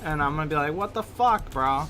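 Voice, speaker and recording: A man hosting a casual gaming livestream, slangy and halting, joking at his own expense with game music behind him. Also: fairly high pitch, animated, bright, forceful tone, a little hiss or hum. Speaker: livestream host. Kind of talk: casual gaming stream chat.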